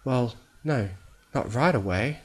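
A man's voice: medium pitch, expressive, takes it slowly, pitched above the performer's own voice. A man voicing a timid but possessive young female pony in a storybook, pleading and upset. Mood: unsure, soft. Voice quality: hissing, breathy when upset. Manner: pleading, faltering.

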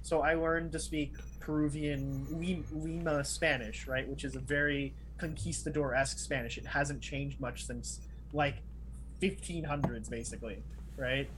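A man's voice: a little high, steady tone, measured pace, fairly bright tone, rough recording. Chatty man, talkative podcast co-host. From Miami, family from Peru. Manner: talkative, lots of "like" and "right?". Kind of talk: casual podcast chat. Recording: faint background noise.

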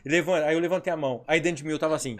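A man with a slightly raised voice rattles through stories at a brisk clip. He is a hypnotherapist visiting a podcast, and he performs each bit of dialogue as he recounts it. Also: on the high side, over a noisy crowd. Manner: animated storyteller, acts out dialogue. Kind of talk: casual podcast chat.

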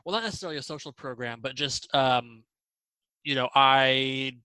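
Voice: medium pitch, moderate pace, pushed and bright, clean tone. An interview host with a mid-range voice who asks casual questions and often hesitates on fillers. The sound is dry and close, with no room echo.

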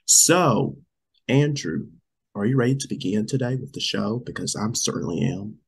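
A man's voice: lowish voice, animated, normal speed. A man co-hosting a casual show, sick and losing his voice, rambling and saying "you guys" a lot. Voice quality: gravelly, husky. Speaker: podcast co-host.

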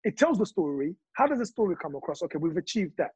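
A man from Congo talking passionately in casual chat, telling his views with animated stories. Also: high voice, fast talker, husky, no echo, poor audio.

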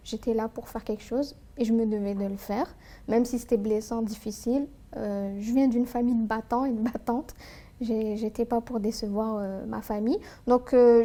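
Woman, 30s, soft dark timbre, thoughtful interview guest. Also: fairly high pitch. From Algeria. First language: Algerian Arabic. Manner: earnest, thoughtful, with frequent hesitations. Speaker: guest, tax lawyer. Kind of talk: personal interview, recounting her life.

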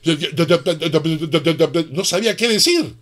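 Middle-aged pastor guy preaching, kinda high voice, punchy and emphatic, lots of questions thrown at the crowd. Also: animated, normal speed, a bit bright. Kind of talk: sermon.

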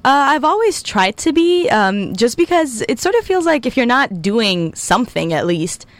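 A woman of about twenty, from Egypt and raised in Abu Dhabi, talking casually as a student guest in a radio interview, relaxed and upbeat with frequent ums. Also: a little high, normal speed, dry recording.

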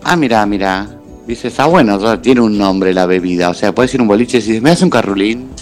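A man's voice: fairly low pitch, fairly quick, soft background music. A man with an Argentine accent, hosting a casual, joking radio chat show. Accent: Argentine Spanish. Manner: animated, jokey, uses voseo. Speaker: radio host.

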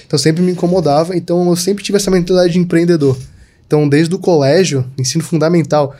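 This podcast guest is a young digital marketer from Santa Catarina, Brazil, talking in a relaxed, casual way loaded with fillers such as "tipo" and "sabe." He has a fairly high, warm voice, keeps his intonation fairly even, and speaks at a quick pace.

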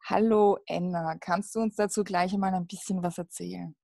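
A woman's voice: lowish voice, fairly even intonation, moderate pace, gravelly. A woman hosting a casual podcast interview, introducing her guest and reacting in a friendly way. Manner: friendly, warm reactions, laughs along. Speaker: podcast host.

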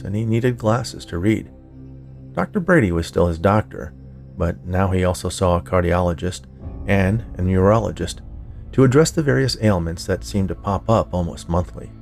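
A man narrating scripted fiction for a podcast in a measured storytelling way. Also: deep voice, vocal fry, a little mellow. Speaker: podcast narrator, writer and producer.

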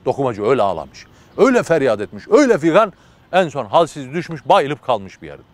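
A man's voice: medium pitch, sing-song, fast, no room sound. A man preaching through a religious story, told vividly and dramatically with casual fillers.

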